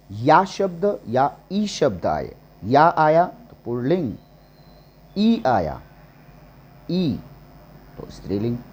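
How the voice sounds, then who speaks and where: A man teaching a grammar lesson, slowly listing example words one at a time. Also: fairly high pitch, darkish tone. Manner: slow and deliberate, listing examples word by word. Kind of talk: classroom-style grammar lesson.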